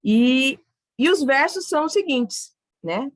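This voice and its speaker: Halting Brazilian woman lecturing. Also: high-pitched, animated, dry recording. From Cuiabá, Brazil. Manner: hesitant, restarts phrases. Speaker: guest lecturer. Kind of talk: academic talk to an audience.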